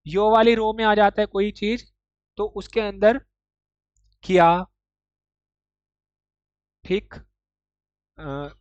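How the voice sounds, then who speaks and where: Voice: medium pitch, fairly even intonation, slow pace, long pauses, no room sound, lo-fi sound. This is a language teacher leading an online class, explaining Japanese writing piece by piece. The delivery keeps checking whether the students follow and slips English terms into the explanation. The recording is dry and close, with no room sound. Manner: explains step by step, often checks understanding with "ठीक" and "देखो"; mixes English words into Hindi explanation.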